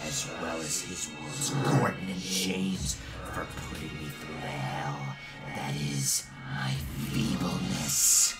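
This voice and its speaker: A man's voice: rumbling low, takes it slowly, heavily acted. A man voicing a sadistic, gloating male villain train engine in a fan audio drama, with sneering, whispered menace. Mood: menacing. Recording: loud music behind.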